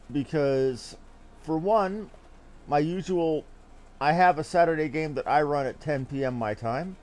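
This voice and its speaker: A man's voice: fairly high pitch, slight background noise. A man giving casual gameplay commentary as a streamer, musing aloud with playful asides. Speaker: game streamer.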